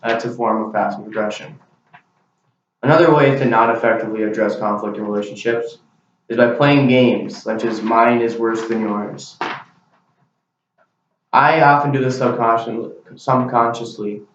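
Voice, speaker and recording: A man's voice: medium pitch, fairly even intonation, normal speed, slight background noise. A young man giving a class speech to a camera, with an earnest, plain delivery. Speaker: student. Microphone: camera mic. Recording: very echoey, distant, dull camera recording.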